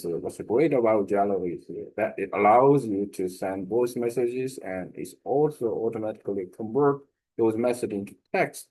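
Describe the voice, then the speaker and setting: Man, Korean accent, native Korean speaker, lowish voice, slow deliberate reading, self-corrections. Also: a little mellow, rough recording. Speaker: language learner sharing his method. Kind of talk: reading a prepared text aloud.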